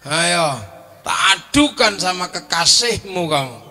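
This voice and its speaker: A man voicing a big, tall, hot-tempered pilgrim man who talks in a gruff, threatening way. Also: sits high, expressive, slow, pushed and bright, heavily acted. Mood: angry, threatening.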